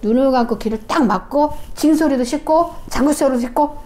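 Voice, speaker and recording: A woman shaman telling her story in an interview, animated and acting out the voices she quotes. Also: sits high, fairly quick.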